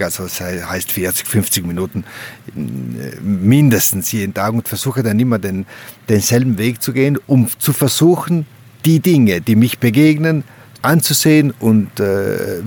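Low husky man, slow and thoughtful. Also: darkish tone. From Gröden valley, South Tyrol, Italy. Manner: slow, thoughtful, searching for words with frequent hesitations. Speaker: interviewee. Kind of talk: reflective outdoor conversation. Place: outdoors on a mountain slope by a wooden hut.

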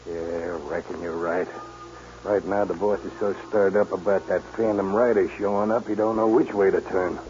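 An actor playing a crude, surly outlaw gunhand with a gruff drawl in a 1940s radio drama. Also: male voice, low voice, fairly even intonation, normal speed, a little mellow, close to an everyday voice. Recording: dull old radio recording with hiss.

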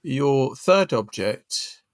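A man hosting a podcast interview, putting measured questions to his guest. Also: medium pitch, lively intonation, dry recording, clean studio sound. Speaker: podcast host.

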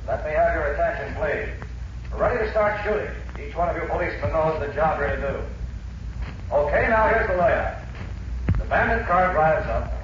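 A bossy movie director in a vintage radio play, issuing crisp orders. His fairly high voice comes from far off with a very heavy echo, on a dull old recording. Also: animated, normal speed, fairly bright tone. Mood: commanding. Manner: authoritative, clipped orders. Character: brisk, commanding film director shouting instructions on location. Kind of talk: 1940s radio acting. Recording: echoey, distant, dull noisy 1940s radio recording.

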